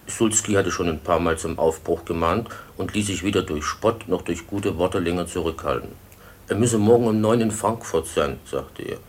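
An actor playing a deferential village witness in a German radio play, giving his account in a careful, halting manner. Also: sits low, slightly rough, full character voice. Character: hesitant, deferential village witness recounting an evening.

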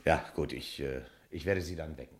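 A man's voice: very deep voice, fairly quick. An actor playing a dutiful, solicitous police assistant, attentive to his superior, in a German crime radio play. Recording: roomy, echoing studio sound.

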